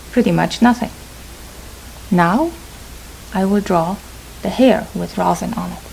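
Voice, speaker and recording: Noticeable background noise sits under a woman speaking at a fairly slow pace. Her loudness swings widely, and she takes long, frequent pauses. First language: Polish. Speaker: orchestra violinist. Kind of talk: tutorial.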